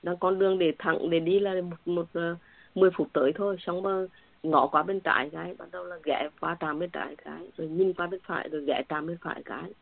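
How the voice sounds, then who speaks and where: A church member shares her testimony with fellow believers, earnest, somewhat repetitive and emotional in places. Her voice sits on the low side, gravelly and fairly quick, with fairly even intonation, and it comes through a tinny phone-like line.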